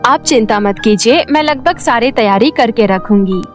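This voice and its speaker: A woman voicing a scheming middle-aged stepmother in an animated moral story, sugary and insinuating, full of false concern. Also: on the high side, moderate pace, soft background music, natural voice. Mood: falsely agreeable.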